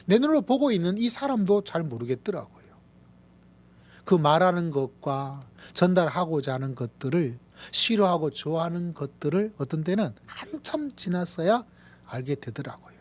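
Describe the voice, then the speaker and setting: A pastor in his fifties with a Gyeongsang accent, preaching a Friday evening sermon and swinging between loud exclamations and soft whispered asides. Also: a little high, animated, normal speed. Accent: Gyeongsang Korean. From Gyeongsang Province, Korea.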